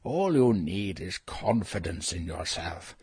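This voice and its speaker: A man's voice: low voice, big pitch swings, takes it slowly, a little mellow, husky, dry recording, studio quality, exaggerated voice. A man voicing a sheepish old male humbug wizard in a dramatized audiobook reading, apologetic and coaxing in manner.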